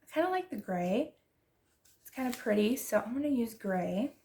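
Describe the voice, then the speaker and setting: Chatty stuffy-nosed woman with gravelly fry. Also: a little high, expressive, normal speed, warm tone. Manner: chatty, gushing, restarts often. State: stuffy from allergies. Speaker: planner vlogger. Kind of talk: casual chatty narration while decorating.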